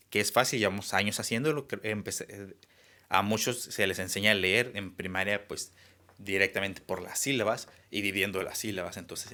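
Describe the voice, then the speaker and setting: A man's voice: medium pitch, sharp tone. A young man explaining a lesson, with frequent fillers and restarts. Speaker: teacher. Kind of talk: online class lecture.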